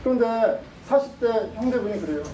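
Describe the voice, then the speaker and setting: A man's voice: extremely high pitch, animated, fairly quick, dark tone, a little hiss or hum. A man preaching a sermon as pastor, speaking with emphasis and often putting rhetorical questions to the congregation. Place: church sanctuary. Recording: echoey room, mic at a distance.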